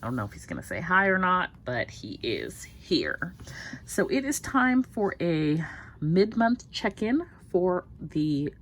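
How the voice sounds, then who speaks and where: Low-voiced chatty woman. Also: a little hiss or hum. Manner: chatty, lots of ums, rambling asides. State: stuffy and sniffly. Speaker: budget planner vlogger. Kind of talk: casual chatty budget check-in.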